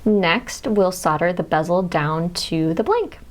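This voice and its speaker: A woman's voice: on the low side, expressive, takes it slowly. A woman with a Midwestern accent, teaching a jewelry soldering demo step by step, friendly and explanatory, sometimes dropping to a near-whisper as she concentrates. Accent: Midwestern American. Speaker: jewelry instructor. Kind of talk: step-by-step craft demonstration.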